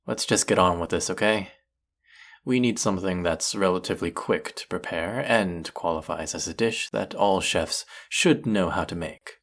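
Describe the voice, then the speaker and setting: Casting: male actor as arrogant chef with a low voice, sardonic and needling, secretly fond of his rival, for intimate audio roleplay. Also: moderate pace, a bit bright. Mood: teasing, irritated. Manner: teasing, sardonic, condescending. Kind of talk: intimate audio roleplay acting addressed to listener.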